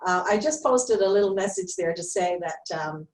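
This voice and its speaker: A woman's voice: on the low side, moderate pace. A woman in her sixties from Canada, telling a friendly story during a video-call town hall. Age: 60s. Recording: roomy, distant from the mic.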